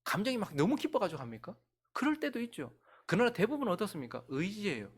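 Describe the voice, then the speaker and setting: A middle-aged male pastor preaching a sermon, swinging from loud calls to hushed near-whispers and acting out quoted voices as he tells stories. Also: high voice, big pitch swings, quick pace, husky. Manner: acts out quoted voices in conversational storytelling.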